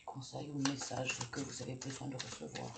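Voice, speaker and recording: A woman's voice: rumbling low, a little fast, creaky, heavy background noise. A woman reading oracle cards in a casual chatty way, hesitant, with many fillers and self-corrections. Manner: chatty, laughs at herself. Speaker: oracle card reader.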